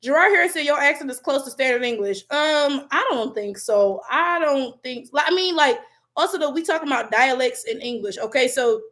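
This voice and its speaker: Expressive and a little fast, a bright, high-voiced woman with a Detroit accent reads live chat comments aloud on her stream. Her voice cracks as she chats casually, loose and slangy, laughing frequently.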